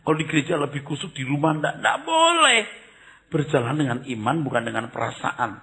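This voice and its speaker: An older man preaching a sermon, jumping from loud exclamations to hushed asides. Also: fairly high pitch, lively intonation, brisk. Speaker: pastor.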